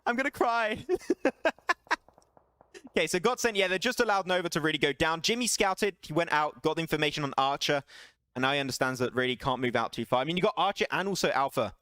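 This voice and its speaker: A man casting an esports match alone, excitable and chatty, laughing and bantering with his stream chat between calls. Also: a little high, fast talker, no echo, clean studio sound. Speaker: esports caster. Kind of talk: solo esports play-by-play commentary.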